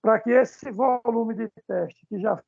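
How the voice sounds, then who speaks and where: A man's voice: sits high, measured pace, vocal fry, dry recording. A man with a Brazilian accent speaking formally in an online meeting. His audio is choppy and keeps cutting in and out. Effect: choppy audio that cuts in and out. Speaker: meeting participant. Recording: dull, dry, lo-fi call audio.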